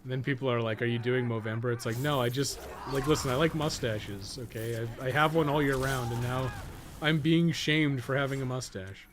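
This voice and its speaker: A man's voice: mid-range voice, steady tone, brisk, background noise. A man doing casual live-stream gaming commentary, thinking aloud in a rambling, slangy way with plenty of swearing and joking. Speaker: game guide streamer and podcast host.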